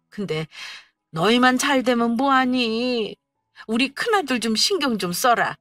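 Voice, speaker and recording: A woman voicing a nagging older mother-in-law who dotes on her eldest son and scolds in a shrill, guilt-tripping voice. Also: sharp tone, no room sound. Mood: fussing.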